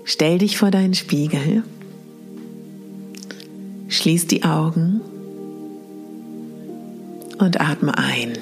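Over clearly audible music, a woman guides a meditation like a sleep story narrator. She speaks very slowly in a slightly low voice, letting her phrases end in soothing breath. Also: animated. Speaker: podcast host and guided exercise leader. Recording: music behind the voice. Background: clear background music.

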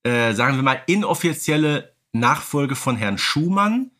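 A man's voice: medium pitch, very animated, measured pace, pushed and bright. A man talking in an explanatory, conversational way as co-host of a casual podcast, often adding tag questions.

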